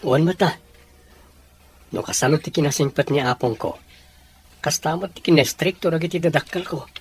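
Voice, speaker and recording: A performer playing a young man, a devoted but resentful grandson, in a Filipino audio drama, with a husky voice and a Filipino accent. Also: fairly high pitch, normal speed, soft background music. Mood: frustrated. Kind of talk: Ilocano audio drama acting.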